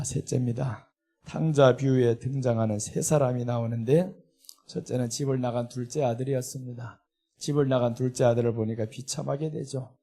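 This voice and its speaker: Preaching earnestly in a warm, husky, gravelly mid-range voice, a middle-aged pastor with a Seoul Korean accent delivers an emphatic sermon. When voicing indignation, his delivery rises.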